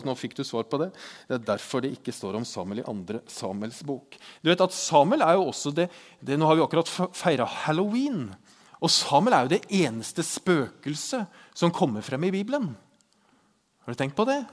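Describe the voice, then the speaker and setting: A man giving a Bible lesson who reads scripture aloud and explains it in a chatty way, asking the listener questions. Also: mid-range voice. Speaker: Bible teacher.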